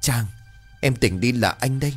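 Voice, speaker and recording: A man's voice: low voice, moderate pace, soft background music, close to an everyday voice. A man voicing an anxious young husband whose voice trembles. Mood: pleading. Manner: shaky voice.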